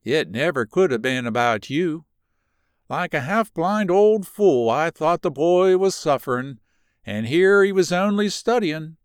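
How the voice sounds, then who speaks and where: A man's voice: on the high side, expressive, measured pace, clear, resonant tone, no echo, clean studio sound. A man voicing a folksy old rural neighbor woman who talks in thick backwoods dialect. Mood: relieved.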